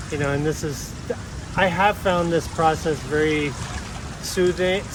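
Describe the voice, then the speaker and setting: Noticeable background noise sits behind a man with an American accent. He speaks at a fairly high pitch with fairly even intonation. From Pennsylvania Dutch culture, US. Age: 50s. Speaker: YouTuber, expat nearing retirement. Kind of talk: unscripted vlog monologue. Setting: outdoors in a pool, handheld camera. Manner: halting, hesitant.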